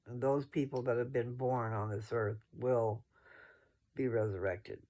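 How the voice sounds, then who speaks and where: A man's voice: medium pitch, fairly even intonation, measured pace, warm tone. A sleepy man casually talking through scripture for his followers in a folksy, rambling way, often correcting himself. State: sleepy, yawning. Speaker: host reading and discussing scripture.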